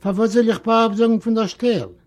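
A man's voice: sits high, steady tone, quick pace, voice pushed up, lightly acted. A man reading an audiobook, voicing a terse, brooding older uncle who mutters short replies. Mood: gruff.

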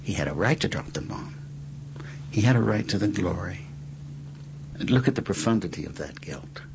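A man giving emphatic interview testimony in a halting, repetitive way. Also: low-pitched, expressive, creaky. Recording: dull interview recording with hiss.

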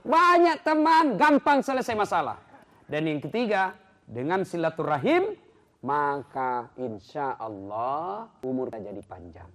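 A man preaches a lively, story-filled sermon. His voice sits high and leaps wildly in pitch, swinging from loud exclamations to low, quiet asides. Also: a little slow. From Makassar, South Sulawesi. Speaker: ustaz, preacher. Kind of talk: lively sermon with humorous stories.

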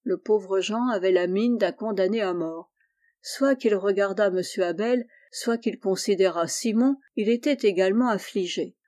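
A woman reading a classic novel aloud in a calm, measured way. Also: mid-range voice. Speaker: audiobook reader. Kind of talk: scripted narration of a classic novel.

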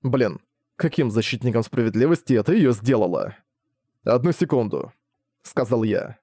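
A man narrating a novel with a mellow, warm tone and a measured, even delivery. He sounds close and dry, with no room around him. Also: medium pitch, dry recording. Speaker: audiobook narrator. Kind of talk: reading a novel aloud.

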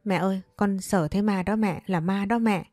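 A woman's voice: mid-range voice, moderate pace, darkish tone, dry recording, clean studio sound, close to an everyday voice. A woman voicing an earnest haunted young man. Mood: panicked.

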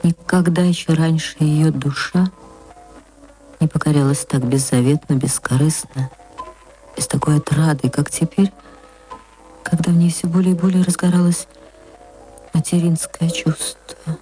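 A woman narrating a classic short story for an archive radio reading in a tender, unhurried way, slowing down at reflective passages. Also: low voice, steady tone, dark tone, soft background music, rough recording.

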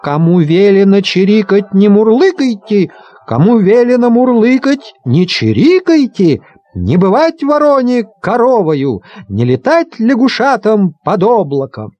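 Guy doing a meek little storybook hare, gently scolding, sing-songy, kinda high and bouncy. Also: very animated, a little slow, lo-fi sound, faint music behind. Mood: admonishing. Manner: gently admonishing, sing-song. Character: meek, well-behaved little hare lecturing animals.

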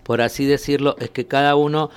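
A man, a guest on a radio show, explaining calmly and laughing easily. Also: medium pitch, a little fast, smooth. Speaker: guest, movement therapist. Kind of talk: casual radio interview. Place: radio studio.

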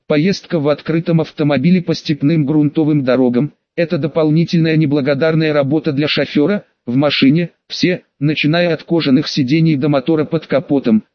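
A man's voice: on the high side, steady tone, a little fast, hardly any pauses, no echo, dull audio. Man reading an audiobook, dry sound. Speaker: audiobook narrator. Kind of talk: first-person audiobook narration.

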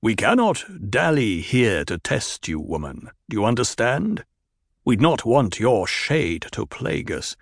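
A man voicing a gruff, blustering desert tribal leader who bellows insults. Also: mid-range voice, sing-song, measured pace, dry recording, clean studio sound, exaggerated voice. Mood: stern.

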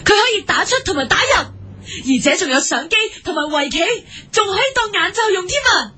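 A woman playing an excitable young heroine who loves gadgets, eager and chirpy in a comedy radio drama. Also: very high-pitched, brisk, slight background noise, exaggerated voice. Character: young female hero, excitable gadget lover.

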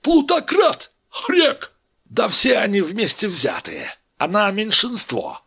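A man voicing a loud gang of young male thugs who shout and swear. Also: high voice, wildly swooping pitch, moderate pace, creaky, slightly rough, pitched above the performer's own voice, heavily acted. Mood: jeering.

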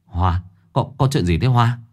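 A man's voice: on the low side, unhurried. A man doing a stammering, shaken village son.

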